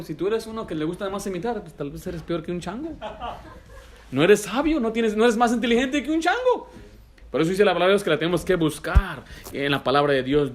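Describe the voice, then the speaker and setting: A man with a high-pitched voice preaching in a church, pressing his listeners with pointed rhetorical questions. He speaks in an emphatic, direct way and slips English phrases into his sermon. He sounds middle-aged. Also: slight background noise. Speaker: pastor.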